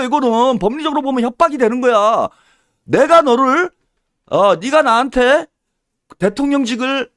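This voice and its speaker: A man's voice: very high voice, a bit bright, no echo, clean studio sound. A man giving a solo political commentary, heated and scolding, with mocking insults and little acted-out dialogues. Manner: acts out little mock dialogues.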